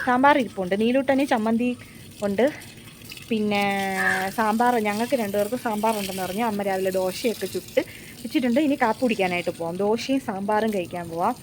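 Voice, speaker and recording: Walking through her home garden, a young woman from Kerala, India, speaks to camera in a relaxed vlog, soft-spoken, thoughtful and confiding. She talks fast in a mid-range voice, with background noise behind her.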